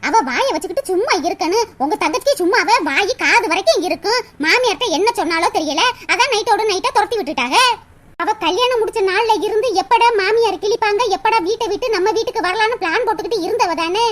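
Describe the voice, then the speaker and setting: A woman doing a shrill sharp-tongued cartoon wife. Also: expressive, fast, a little hiss or hum. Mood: scornful. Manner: scolding, sarcastic, laughs mockingly. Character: sharp-tongued young wife, scornful and combative. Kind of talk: cartoon voice acting.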